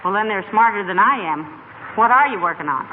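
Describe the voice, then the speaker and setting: An actress playing a dry, teasing middle-aged wife in a 1940s radio comedy, wry and unimpressed. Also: female voice, medium pitch, expressive, fast, narrow, tinny audio, lightly acted. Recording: scratchy old radio broadcast, loud hiss.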